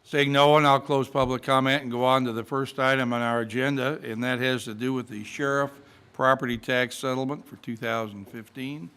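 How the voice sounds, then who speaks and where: A man chairing a county fiscal court meeting, speaking in a measured, procedural way with halting fillers. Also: medium pitch, steady tone, a bit bright, clean tone. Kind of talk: formal public meeting.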